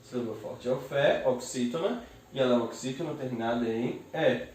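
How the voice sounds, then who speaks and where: A man's voice: mid-range voice, a little mellow, recorded from a distance, a little hiss or hum. Man teaching in an echoey room. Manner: explains step by step, syllabifies words slowly, checks in with "certo?". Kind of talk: grammar lesson. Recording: echoey room, voice away from the mic.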